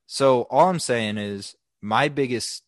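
A young man co-hosting a podcast, chatting casually in a blunt, profane, animated way. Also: medium pitch, takes it slowly, no echo, studio quality. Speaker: podcast co-host.

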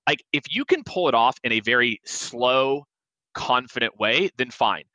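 A man's voice: medium pitch, expressive, normal speed, pushed and bright, no room sound, highs cut off. A man in his forties, a sales expert guest on a podcast, giving emphatic advice and acting out quoted lines. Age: 40s.

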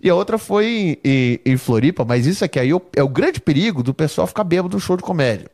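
A man's voice: on the high side, quick pace. A young man, a comedian guest on a podcast, telling anecdotes casually with lots of swearing. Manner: animated anecdotes, heavy swearing.

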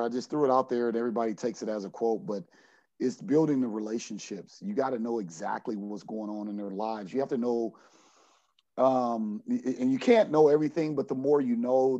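A man's voice: mid-range voice, dark tone, dry recording, dull audio. A man in his forties, a basketball coach answering podcast questions earnestly, often repeating words as he finds his thought. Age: 40s. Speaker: junior college basketball coach.

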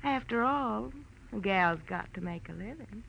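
A woman's voice: medium pitch, expressive, unhurried, vocal fry, fairly bright tone. An actress playing a brassy, mercenary young gangster's girl in a 1940s radio crime drama, slangy and taunting. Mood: cool, taunting. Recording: noisy vintage radio recording.

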